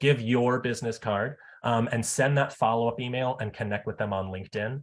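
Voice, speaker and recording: A man rattles off his words at a very fast clip in a very clean recording, with the background completely silent. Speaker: career services staff. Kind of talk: workshop presentation. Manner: talkative.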